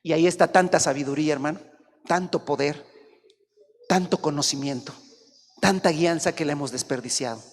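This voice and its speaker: High-voiced pastor preaching in an echoing hall. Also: male voice, brisk, pauses often. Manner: acts out dialogues in animated voices, rising to shouts. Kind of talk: sermon. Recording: long hall reverb.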